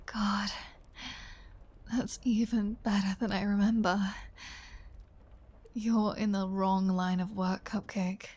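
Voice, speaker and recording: Casting: flirty vampire huntress of humans woman performer, unhurried, breathy and half-whispered, teasing, in command, ASMR roleplay style. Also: medium pitch, level tone, darkish tone. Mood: pleased, seductive. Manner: teasing, breathy, slow, dominant. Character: flirty, predatory female vampire toying with a hunter. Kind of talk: intimate ASMR audio roleplay, often whispered.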